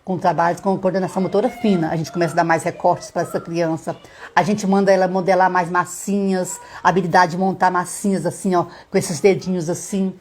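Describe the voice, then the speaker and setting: A middle-aged woman, a literacy teacher on a live stream, explaining step by step, often checking in with her viewers and sounding out letters slowly. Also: fairly low pitch, level tone, a little mellow, a little hiss or hum.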